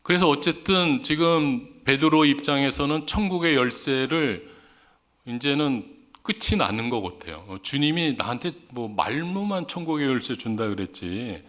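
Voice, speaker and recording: Speaking at a moderate pace in an expressive, mid-range voice that's a bit bright, a visiting missionary preaches in a church sanctuary. He shares a story in a conversational tone and voices the quoted dialogue himself.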